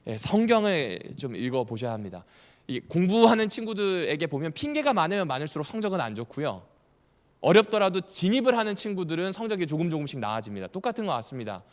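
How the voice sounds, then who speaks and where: A man's voice: a little high, very animated, quick pace. A male pastor giving a Bible study lecture, asking the audience questions and repeating key points, with humorous asides. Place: church hall. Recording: long hall reverb.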